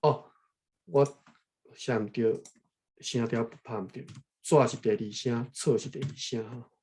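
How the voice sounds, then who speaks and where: A man from Taiwan reading a history book aloud unscripted, thinking aloud, pausing to look up words and adding frequent tag particles. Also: medium pitch, steady tone, a little mellow. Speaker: reader explaining a history book to viewers. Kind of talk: unscripted read-aloud with running commentary.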